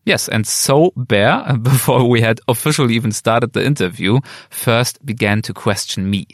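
A man's voice: medium pitch, moderate pace, no room sound. A man with a German accent reading a scripted podcast introduction as the host. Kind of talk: scripted narration introducing an episode.

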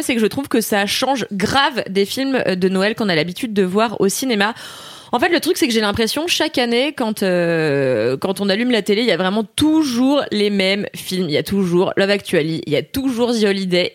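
A woman in her twenties chatting casually about films she recommends, lively, with many fillers and frequent laughs. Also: medium pitch, dry recording, clean studio sound. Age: 20s. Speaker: film reviewer, co-host. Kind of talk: casual chat, film recommendations.

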